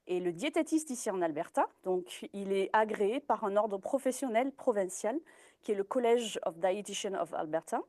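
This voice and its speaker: A woman's voice: medium pitch, expressive, normal speed, darkish tone, dry recording. A young woman giving a presentation as a dietitian, hesitant, with many fillers and restarts. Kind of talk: informal talk presentation.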